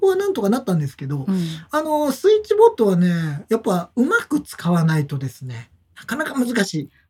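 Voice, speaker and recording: Very wide pitch swings from a man at a fairly quick pace. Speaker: tech blogger and podcast co-host. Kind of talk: casual chat. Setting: live-streamed recording. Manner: fast.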